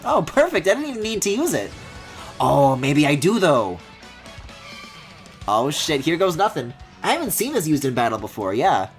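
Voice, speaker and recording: A man's voice: a little high, huge pitch swings, normal speed. A man streaming a video game with casual live commentary, thinking aloud expressively. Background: game music.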